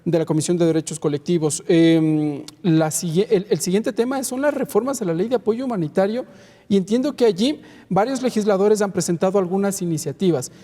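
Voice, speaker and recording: A television interviewer briskly putting questions to a lawmaker. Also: medium pitch, mellow. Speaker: interviewer host. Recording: long reverb.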